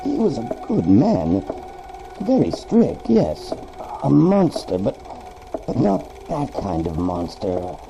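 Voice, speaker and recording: A tormented, creaky-voiced older father. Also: medium pitch, huge pitch swings, exaggerated voice. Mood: defensive, anguished. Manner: halting, anguished, slow delivery. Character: tormented, guilt-ridden older father with a dark secret. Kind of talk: dramatic horror game acting. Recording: music under the voice.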